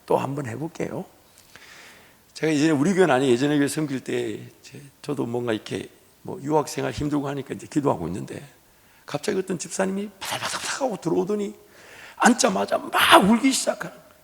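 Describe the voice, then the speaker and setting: A male pastor preaching a sermon, moving between hushed, whispered prayer and loud, animated storytelling. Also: on the high side, fast talker, vocal fry. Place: church sanctuary. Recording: echoey church hall.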